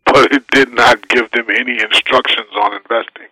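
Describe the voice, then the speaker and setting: Male guest advisor, emphatic, sharp tense tone, dry sound. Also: medium pitch, big pitch swings, normal speed, vocal fry, no echo, poor audio. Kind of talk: interview answers.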